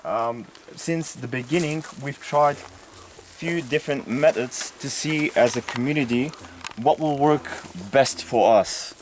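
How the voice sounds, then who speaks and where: Young adult man, Bulgarian accent, mid-pitched voice, relaxed outdoor walk-and-talk with a faint rural hum behind. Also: takes it slowly. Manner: relaxed, with frequent fillers and restarts. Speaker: volunteer giving a tour. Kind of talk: casual explanatory tour. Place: outdoors in a rural garden and field.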